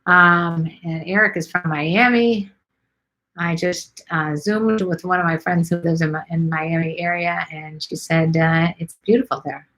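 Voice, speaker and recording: A woman's voice: on the low side, fairly even intonation, a little slow, fairly bright tone, poor audio. A middle-aged woman from Chicago hosts a live stream, chatting casually and rambling with lots of ums as she reads viewer comments. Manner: chatty, rambling, many ums and let's sees.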